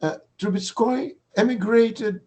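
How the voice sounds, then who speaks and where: Older male academic lecturer, hoarse, high-pitched, halting delivery over a video call. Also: dark tone, highs cut off. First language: Russian. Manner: halting, with many fillers and restarts. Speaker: guest lecturer.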